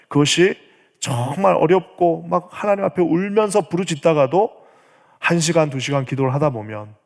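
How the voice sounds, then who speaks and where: A male pastor preaching a sermon, animated, acting out prayers in his own voice. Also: on the high side. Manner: animated, acts out prayers in quoted voice. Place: church sanctuary. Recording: church hall reverb.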